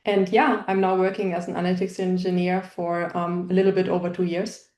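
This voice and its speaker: A woman from Germany speaks in a friendly, methodical way as a guest on a video call, her voice sitting a little low. The room around her adds a clear echo. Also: level tone, brisk, a little mellow. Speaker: analytics engineer, guest. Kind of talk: interview answers.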